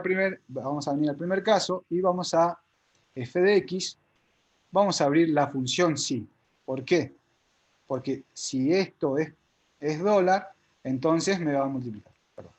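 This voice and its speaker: A man teaching a live spreadsheet class step by step, with an Argentine Spanish accent, often checking whether his students follow. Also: a little high.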